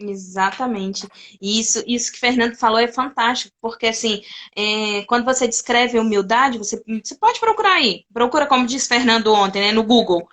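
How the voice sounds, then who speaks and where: High-voiced woman retelling Bible stories. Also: brisk, a bit bright. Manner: retells scripture with acted quotes, many restarts. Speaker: participant in a Bible discussion. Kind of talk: casual devotional chat.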